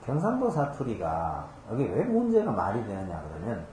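A man's voice: on the low side, huge pitch swings, normal speed, mellow, reverberant, slight background noise. A man preaching a conversational sermon, explaining scripture patiently with homely examples and rhetorical questions. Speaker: pastor. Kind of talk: conversational Bible-teaching sermon.

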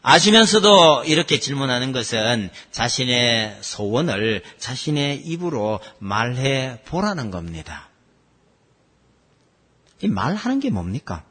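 A man preaching a sermon as pastor, asking the congregation questions and swinging between loud and soft. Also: mid-range voice, husky. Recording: long hall reverb.

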